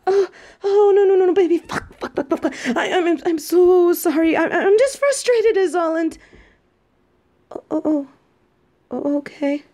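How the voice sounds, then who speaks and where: A woman's voice: very high-pitched, lively intonation, measured pace, dark tone. A woman playing a possessive female mafia boss and doting girlfriend in a scripted, intimate audio roleplay. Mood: panicked, pleading. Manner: swings between cold threats and tender pleading. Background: background music.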